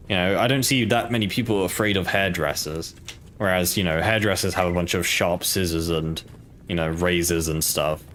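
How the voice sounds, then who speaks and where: A young Polish man with a British accent and a low, slightly bright voice chats casually while streaming a game. He rambles and hesitates, packing his speech with fillers, and a faint hiss or hum sits under the recording.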